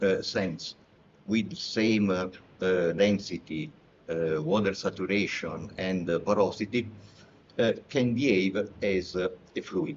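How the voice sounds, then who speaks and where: With an Italian accent and lively intonation, the speaker goes at a very slow pace. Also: man. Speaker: geology professor. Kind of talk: lecture. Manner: halting, many fillers.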